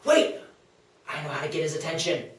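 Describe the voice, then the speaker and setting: A man's voice: fairly high pitch, very animated, fairly quick. A man playing a brash, scornful Athenian skeptic in a comedic table read, speaking with theatrical sarcasm. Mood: mocking, brash. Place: small indoor meeting room. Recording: roomy, distant meeting-room pickup.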